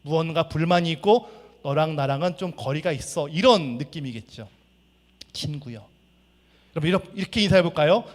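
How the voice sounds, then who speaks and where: A man's voice: on the high side, expressive, fairly quick. A male pastor preaching a sermon, acting out characters' lines and leading his congregation in reading aloud together. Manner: acts out workers' and master's quotes, leads congregation in reading. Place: church sanctuary. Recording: church hall reverb.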